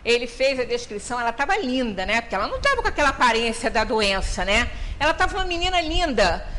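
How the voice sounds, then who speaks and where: A high-pitched woman with a Brazilian Portuguese accent tells a story to a spiritist gathering, voicing the dialogue as she goes. Her talk is casual and full of little tag questions. Her voice rings through a long-reverberant hall over a faint hiss of noise. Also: a bit bright. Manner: conversational retelling with quoted dialogue, frequent tag questions. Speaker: lecturer at a spiritist center. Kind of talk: storytelling lecture. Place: lecture hall of a spiritist center.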